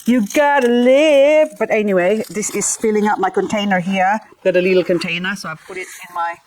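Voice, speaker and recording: A woman's voice: medium pitch, brisk, a little mellow, a little hiss or hum, poor audio. A middle-aged woman raised in the Philippines, chatting playfully while cleaning up succulents in a casual vlog. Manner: chatty, playful, self-mocking asides. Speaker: gardening vlogger. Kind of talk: casual chat while repotting plants.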